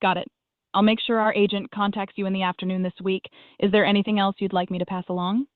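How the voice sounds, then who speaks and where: A woman's voice: mid-range voice, fast, no room sound. Polite AI receptionist woman on phone. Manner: polite, even and formulaic. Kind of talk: scripted phone answering. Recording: dry tinny phone line.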